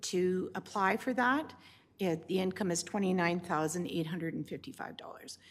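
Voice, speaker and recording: A plain, everyday voice with a Canadian accent speaks at a moderate pace. Its pitch varies in an ordinary way. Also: woman. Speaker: seniors housing manager presenting to council. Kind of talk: presentation to town council.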